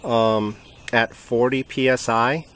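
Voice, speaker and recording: A man casually comparing two tools on a workbench, relaxed and halting, with many ums and uhs. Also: mid-range voice. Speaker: hobby channel host reviewing tools. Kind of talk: casual hands-on product comparison.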